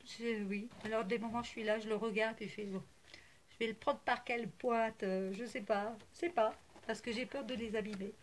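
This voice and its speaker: A woman's voice: fairly high pitch, steady tone, normal speed, slight background noise. A woman chatting casually to camera about her craft haul, hesitant with many fillers, gushing and repeating herself. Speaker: crafting vlogger showing a haul.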